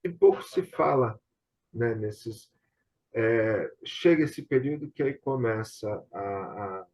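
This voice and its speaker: This Brazilian man, hosting a casual theatre-and-television conversation in a remote video session, has an animated, darkish mid-range voice and speaks slowly. He's hesitant and keeps looking for confirmation.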